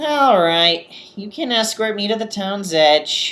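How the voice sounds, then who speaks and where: A put-on character voice with a fairly high pitch moves at a fairly slow pace. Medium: read story. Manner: flustered, halting.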